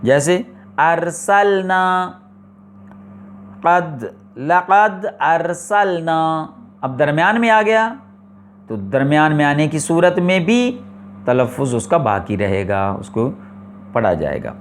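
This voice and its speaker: A man teaching the rules of Quran recitation, with a voice pitched a little higher than most men's. He explains slowly and deliberately, repeating each point and posing rhetorical questions. A faint hum runs underneath. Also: very animated. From Pakistan. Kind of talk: religious classroom lecture.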